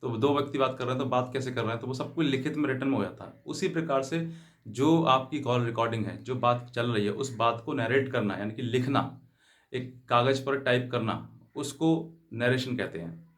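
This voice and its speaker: With a medium-pitched, somewhat bright voice at an ordinary pace, this man explains legal matters to his channel's viewers. He rephrases himself a lot and adds Hindi glosses for English terms.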